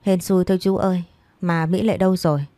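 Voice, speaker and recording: In this audiobook scene, a cheeky young man in his twenties rattles off teasing banter, as a woman reader puts him on. The voice sits low and mellow and is recorded close and dry. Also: steady tone, dry recording, lightly acted. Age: 20s. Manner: quick, needling banter.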